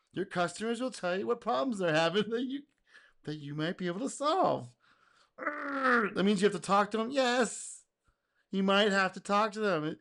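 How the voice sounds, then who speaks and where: A man hosting a casual reaction video, speaking in an animated way, laughing and acting out quotes, his voice going a little hoarse. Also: high-pitched. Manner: animated, exclaims and laughs, acts out customer quotes. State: getting hoarse.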